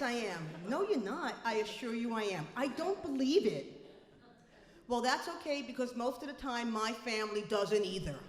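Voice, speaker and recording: A woman from New City, telling a comic personal story live, wry and animated. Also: sits high. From New York City. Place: live venue, reverberant room. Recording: echoey hall reverb.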